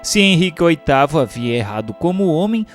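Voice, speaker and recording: A man with a Brazilian accent reads scripted historical narration in a formal, solemn, measured delivery. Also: a little high, very animated. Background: music bed.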